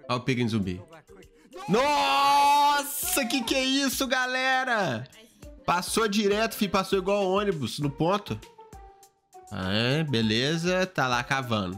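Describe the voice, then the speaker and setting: Watching game clips, this man, a YouTuber, responds with excitable exclamations, his voice lurching from high, jumpy shouts down to quiet, low muttering.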